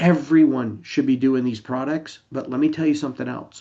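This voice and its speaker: Over a quiet background, a man talks at medium pitch. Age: 50s. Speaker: network marketing leader. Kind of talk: motivational sales talk. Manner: animated.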